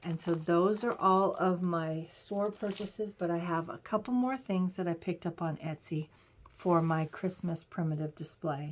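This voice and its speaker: A woman talks at a moderate pace with an ordinary speaking voice. Her pitch sits fairly low, with ordinary variation. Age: 60s. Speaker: crafting YouTuber. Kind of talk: casual haul video talk.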